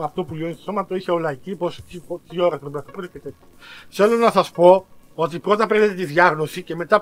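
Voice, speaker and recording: A man with a notably high voice tells a story to his viewers in a casual vlog. He is dramatic and self-mocking, and he breaks into exaggerated outbursts. Faint music plays in the background. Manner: addresses viewers directly, slangy and self-mocking. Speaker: vlogger.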